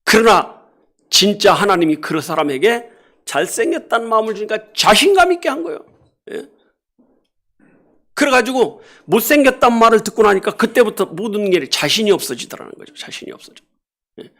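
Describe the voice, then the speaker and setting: Lively high-voiced male pastor preaching. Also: moderate pace. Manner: animated, asks the congregation questions and acts out animal sounds and scolding. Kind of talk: sermon. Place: church sanctuary.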